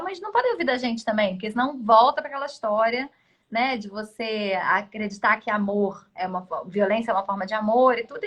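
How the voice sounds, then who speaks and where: A woman's voice: a little high, fairly bright tone. A woman hosting a live video conversation, speaking emphatically and acting out little dialogues. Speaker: host.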